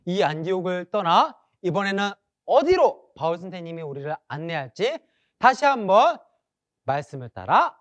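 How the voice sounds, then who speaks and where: A children's Bible school teacher giving a gentle, coaxing sermon lesson to kids, calling them friends. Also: mid-range voice, sing-song, normal speed, no echo.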